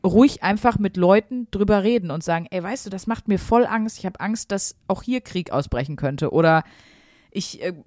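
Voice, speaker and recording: A woman's voice: mid-range voice, expressive, moderate pace, darkish tone, no room sound, studio quality. A woman co-hosting a podcast, talking through her thoughts in an earnest, chatty way with many fillers. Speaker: podcast co-host. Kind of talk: casual podcast chat.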